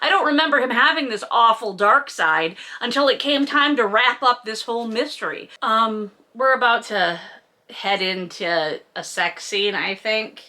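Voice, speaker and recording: Bright, high-voiced sarcastic woman. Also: measured pace. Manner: sarcastic, exaggerated emphasis, swears freely. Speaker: host reading a book aloud and mocking it. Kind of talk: comedic read-along commentary.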